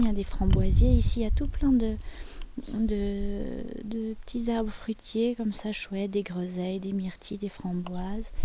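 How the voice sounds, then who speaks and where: Soft-spoken and at a moderate pace, a woman talks with audible room echo around her voice. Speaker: YouTuber, permaculture gardener. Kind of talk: casual vlog talk to camera. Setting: outdoors in a garden. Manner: hesitant, many fillers.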